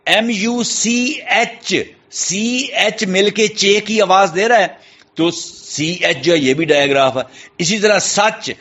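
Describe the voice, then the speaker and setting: A male teacher with a Pakistani Urdu accent explains English spelling patterns, slowly spelling out each word letter by letter and repeating the main point. His voice sits somewhat high for a man. The recording is dull and muffled, with a lo-fi sound. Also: a bit bright. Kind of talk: classroom lesson explanation.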